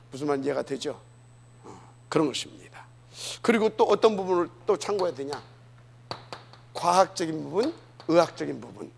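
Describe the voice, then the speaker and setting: A man preaching a sermon, often asking the congregation questions and swinging between loud emphasis and soft asides. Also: a little high, creaky. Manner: asks the congregation questions, many fillers, dynamic swings. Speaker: pastor.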